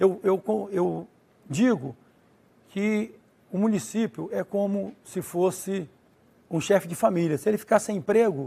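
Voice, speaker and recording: The speech has long, frequent pauses. Its pitch variation is ordinary. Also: man. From Cariacica, Espírito Santo, Brazil. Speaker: mayoral candidate, state deputy. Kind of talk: political debate. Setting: studio. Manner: combative.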